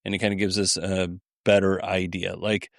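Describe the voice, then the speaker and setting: Guy podcast host, low voice, dry close sound, chatty and kinda rambly. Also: little pitch movement, moderate pace, vocal fry, no echo. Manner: rambling, informal, chuckles while talking. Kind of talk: casual solo commentary on audio clips.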